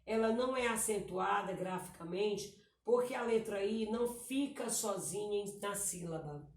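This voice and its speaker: A woman's voice: medium pitch, moderate pace. A woman teacher, patiently explaining grammar exercises and often checking in with the class. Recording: echoey room, voice far from the mic.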